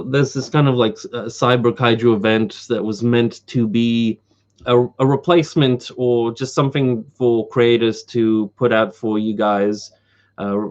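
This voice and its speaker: A slightly hoarse man chatting casually on a live stream, wandering from point to point with eager enthusiasm. His voice sits at an ordinary middle pitch. The audio is dull and lo-fi. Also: a little mellow. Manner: rambling, eager collector fan. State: slightly hoarse from talking all day. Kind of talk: casual live stream chat answering viewers.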